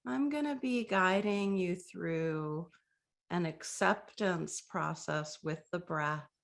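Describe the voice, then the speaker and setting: A woman leading a guided breathing meditation, speaking softly and gently with long, inviting pauses. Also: lowish voice, creaky.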